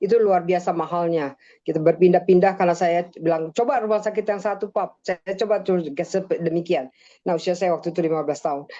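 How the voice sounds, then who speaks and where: A woman's dark, mellow tone at a fairly low pitch, a very fast pace and ordinary pitch variation. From Indonesia, Manado (North Sulawesi); in Jakarta from age 2. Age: 60s. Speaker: seminar participant asking questions. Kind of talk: Q&A testimony on video call. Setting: Zoom video call. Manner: halting, many fillers.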